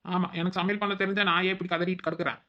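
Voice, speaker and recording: Cheeky whiny daughter-in-law voiced by a woman, quick talker, kinda dull lo-fi sound, cartoon. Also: on the low side, flat delivery, lightly acted. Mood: whining. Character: young daughter-in-law, cheeky, greedy for good food. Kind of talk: cartoon voice acting.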